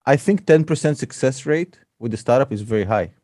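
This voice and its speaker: A man's voice: medium pitch, expressive, brisk, dark tone, no room sound, clean studio sound. A man chatting casually as an investor, joking, teasing and swearing freely. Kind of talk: casual chat.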